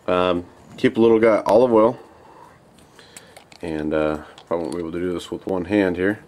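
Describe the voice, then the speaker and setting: Recorded close up on a handheld camera, this young man walks through some camp cooking outdoors at night. He talks in a low-pitched voice at a moderate pace, loose and rambling with many fillers.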